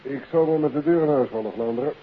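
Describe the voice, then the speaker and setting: A brisk, businesslike police inspector played by a man in a 1950s radio play. His voice is mid-pitched, heard through a narrow, tinny old recording with clear hiss. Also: natural voice. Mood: brisk, reporting. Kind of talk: 1950s radio drama acting.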